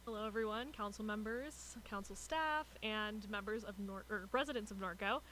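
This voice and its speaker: A woman's voice: medium pitch, normal speed, a bit bright, low-quality recording. A woman giving a brief, informal introduction as a district representative at a public meeting. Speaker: district representative of a state senator. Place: city council chamber, public meeting. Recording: noticeable background room noise.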